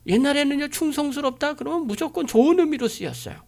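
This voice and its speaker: A woman's voice: sits high, lively intonation, fast talker, creaky, darkish tone. A woman pastor delivering a sermon, driving her points home with frequent rhetorical questions.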